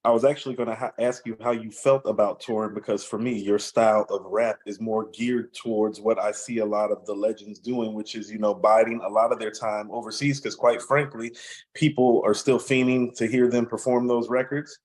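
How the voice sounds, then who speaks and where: A man's voice: on the low side, steady tone, normal speed, a little mellow, low-quality recording. A man hosting a casual interview who asks long, winding questions with "you know" fillers. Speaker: interview host.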